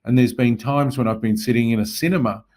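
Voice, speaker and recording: A man's voice: mid-range voice, steady tone, quick pace, a little mellow. An Australian man, an interview guest, telling stories about his work in a casual, modest way. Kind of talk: casual conversational storytelling.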